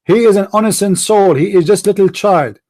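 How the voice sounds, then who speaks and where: This man hosts a fiery religious debate, his high voice carrying a darkish tone and moving fairly quickly. Arabic is his first language and he comes from the Middle East. He needles his rival with repeated, scornful questions in a combative, repetitive style.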